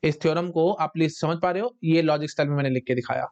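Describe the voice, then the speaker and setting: A man teaching a recorded math lecture in mixed Hindi and English. He keeps checking in with his students and dictates definitions slowly, word by word. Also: on the high side, a little mellow, lo-fi sound. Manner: repetitive, checks in with "है ना?" and "ठीक है". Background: dogs barking outside.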